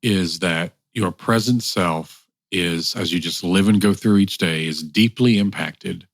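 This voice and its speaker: A man co-hosting a podcast who talks in a thoughtful, halting way and often searches for his words. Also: sits low, dry recording. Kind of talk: conversational podcast chat.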